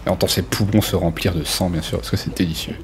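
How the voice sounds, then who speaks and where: A man serves as game master for a tabletop role-playing game, narrating informally and relishing the gory details, with background music laid under his voice. He speaks low, fast, and in a steady tone.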